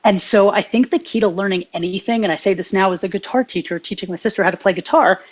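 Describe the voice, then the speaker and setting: A young woman co-hosts a podcast and gives earnest, animated advice. Her voice is husky and breathy. The sound is dull and lo-fi, like a remote mic. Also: medium pitch, fast talker. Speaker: podcast co-host. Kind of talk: casual chat.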